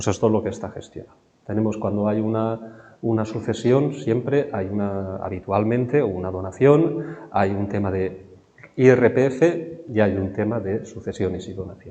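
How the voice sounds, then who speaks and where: A soft-spoken man talks at a moderate pace. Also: fairly low pitch for a man, ordinary pitch variation. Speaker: tax advisor. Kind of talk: talk at a seminar. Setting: hotel conference room with audience, microphone. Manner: halting.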